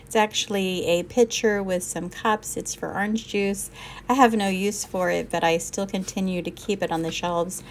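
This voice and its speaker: A woman's voice: medium pitch, steady tone, normal speed, a little hiss or hum. Chatty woman sorting a basement. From Alabama, USA. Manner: chatty, thinks aloud while sorting. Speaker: home vlogger. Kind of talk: casual decluttering vlog. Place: cluttered basement storage room. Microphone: handheld camera filming nearby.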